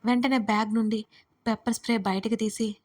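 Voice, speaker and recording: A woman narrating a first-person romance story for an audiobook, in an expressive, dramatic way. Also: fairly high pitch, fairly quick.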